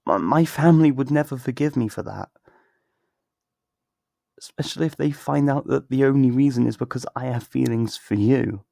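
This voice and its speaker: A man playing a torn, tender best friend in an intimate ASMR roleplay, speaking in a halting, emotional, pleading way. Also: mid-range voice, gravelly, warm tone, no room sound, studio quality, natural voice. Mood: anguished, confessing. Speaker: audio roleplay voice actor.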